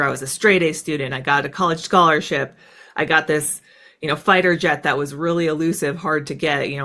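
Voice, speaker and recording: A woman's voice: deep voice, pushed and bright. An American woman talking as an interview guest in a casual, reflective storytelling style, often dropping in "like" and "right.". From United States. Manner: conversational, peppered with "like" and "right". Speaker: interview guest, former military fighter pilot.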